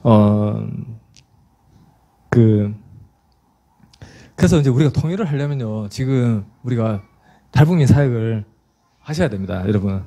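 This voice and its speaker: Mellow-voiced, animated preacher. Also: male voice, mid-range voice, a little slow, long pauses. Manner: animated storyteller, acts out scenes, frequent restarts. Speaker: pastor. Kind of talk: sermon with storytelling.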